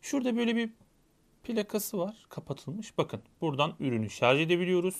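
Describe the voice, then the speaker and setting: A man co-hosting a casual tech unboxing, quickly and eagerly explaining a product's features as he handles it. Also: high voice, big pitch swings, creaky.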